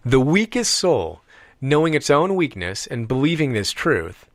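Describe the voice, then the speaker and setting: A man reading an audiobook in a deliberate, measured way with emphatic pauses. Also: medium pitch, big pitch swings, dry recording, clean studio sound. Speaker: audiobook reader. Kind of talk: scripted audiobook narration.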